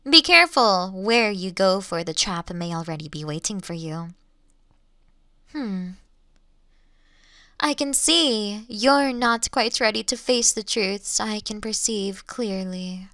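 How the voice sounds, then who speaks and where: Woman acting as bright, unhurried, taunting ancient monster lady. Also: mid-range voice, expressive, no echo, clean studio sound, heavily acted. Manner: teasing, archaic formal diction, lingering pauses, breathy asides. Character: ancient female monster, elegant, taunting, playful towards her hunter. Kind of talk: slow theatrical roleplay monologue in Victorian fantasy audio drama.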